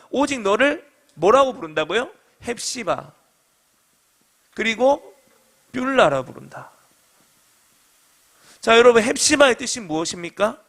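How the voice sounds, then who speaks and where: A man's voice: high-pitched, creaky, a bit bright. A male pastor, middle-aged, giving a fervent sermon and leading the congregation in responses and shared readings.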